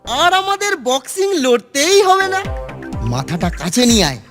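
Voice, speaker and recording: A woman's voice: high voice, huge pitch swings, moderate pace. A woman voicing a crafty, conspiratorial young schoolboy in a cartoon. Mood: scheming. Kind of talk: cartoon voice acting. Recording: music behind.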